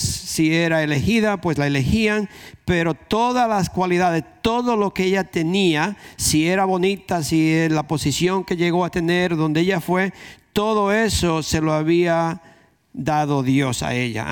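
A man's voice: a little high, clean tone. A man with a Dominican accent preaching a conversational sermon, repeating key phrases for emphasis. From Dominican Republic.

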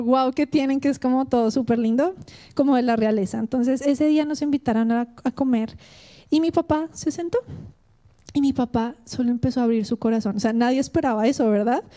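A woman's voice: sits high, dark tone. A woman preacher giving a sermon with a personal testimony, earnest and heartfelt, speaking straight to the congregation.

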